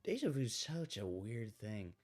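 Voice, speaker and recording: A man's voice: fairly low pitch, big pitch swings, normal speed, a little mellow, soft background music. A man hosting a casual podcast, musing thoughtfully and hedging his ideas with lots of "like.". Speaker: podcast host. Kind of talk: casual faith chat.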